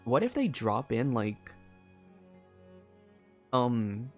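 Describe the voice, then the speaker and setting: A woman's voice: extremely low pitch, big pitch swings, drawn-out words, darkish tone, faint music behind. A woman streamer giving casual game commentary, theorizing aloud in a rambling way that keeps circling back. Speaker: streamer playing and reacting to a game.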